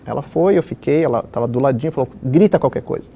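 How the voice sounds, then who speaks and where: A middle-aged man who was born in Israel, telling personal stories as a children's author in an animated conversational interview style, with many fillers. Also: mid-range voice, fast talker, creaky, a little hiss or hum.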